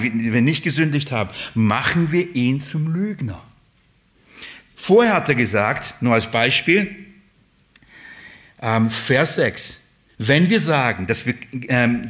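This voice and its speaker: Emphatic German-speaking preacher. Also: male voice, medium pitch. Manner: emphatic, swings between loud and hushed; addresses the congregation with rhetorical questions. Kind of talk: sermon.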